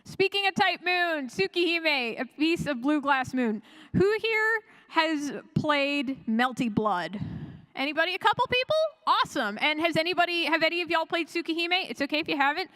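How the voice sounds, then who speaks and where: Female panelist, slightly high voice, casual and enthusiastic fan delivery, rambles and corrects herself. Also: expressive, normal speed, sharp tone. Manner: chatty and rambling, with frequent self-corrections and chuckles. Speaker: convention panelist. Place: live panel room at a fan convention.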